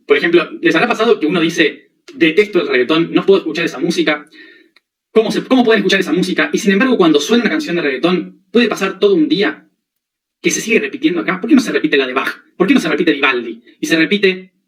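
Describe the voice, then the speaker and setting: A man's voice: fairly high pitch, animated, quick pace, a bit bright, far from the mic, rough recording. Man lecturing from off the mic. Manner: explains with everyday examples and frequent checking questions. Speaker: spiritual teacher. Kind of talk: spiritual lecture.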